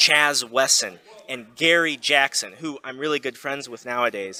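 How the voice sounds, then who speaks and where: Noticeable background noise sits behind a dry, close recording without echo. A man speaks at a fairly high pitch and a moderate pace. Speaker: wrestling ring announcer and podcaster. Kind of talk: interview. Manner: loud.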